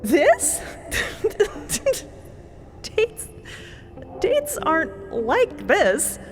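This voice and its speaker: A woman's voice: extremely high pitch, huge pitch swings, extremely slow, over music, exaggerated voice. A woman playing a flustered, lovestruck young space explorer in an audio drama, hesitant and incredulous.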